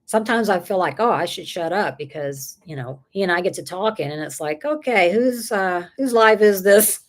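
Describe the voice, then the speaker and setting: A woman's voice: fairly low pitch, lively intonation, normal speed. A woman, chatting casually on a livestream and reading viewer comments aloud, rambling and laughing often. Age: 60s. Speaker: livestream host.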